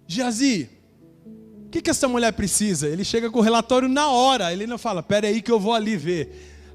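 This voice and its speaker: High-voiced storytelling preacher in a hall. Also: male voice. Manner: storytelling preacher, acts out dialogue, addresses congregation. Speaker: pastor. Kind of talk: sermon. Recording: church hall with reverb.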